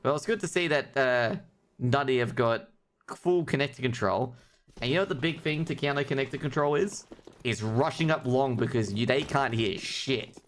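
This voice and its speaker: At a moderate pace and medium pitch, a man casually commentates a live esports match with plenty of jokes. He talks informally with his viewers in chat. The recording clearly picks up background noise and clicks.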